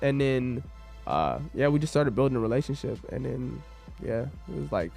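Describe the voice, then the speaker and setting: A man's voice: medium pitch, animated, moderate pace, creaky, darkish tone, faint music behind. A young man chatting as a guest, retelling events by quoting himself and laughing often. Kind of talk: casual interview chat.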